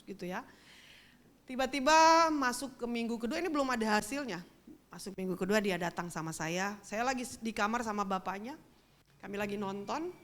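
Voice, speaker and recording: A woman's voice: mid-range voice, fairly bright tone. A middle-aged woman pastor, giving a sermon as a chatty personal story and speaking straight to the congregation. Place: church.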